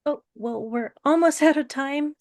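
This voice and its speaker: A woman's voice: high voice, measured pace, dry recording, clean studio sound. A woman interviewer chatting casually, a little hesitant and giggly as she talks.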